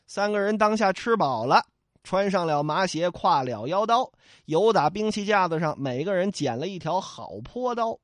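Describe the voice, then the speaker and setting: A male storyteller telling a classic tale in a lively, colloquial way. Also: high-pitched, normal speed, dry recording, studio quality. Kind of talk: traditional oral storytelling.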